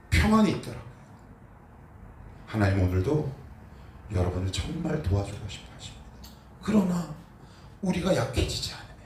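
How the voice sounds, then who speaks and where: Male pastor preaching in an echoey church. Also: medium pitch. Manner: emphatic preaching with rhetorical questions to the congregation. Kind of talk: sermon. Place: church sanctuary. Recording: echoey church hall, distant mic, faint noise.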